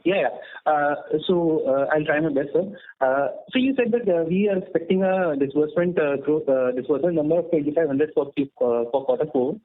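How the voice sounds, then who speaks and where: A man calls into an earnings call over a faint phone line that sounds distant and keeps cutting out. He speaks in a fairly high voice and pauses often on filler sounds. The line is tinny and thin. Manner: hesitant, many filler sounds. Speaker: analyst caller on an earnings call. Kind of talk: earnings conference call question.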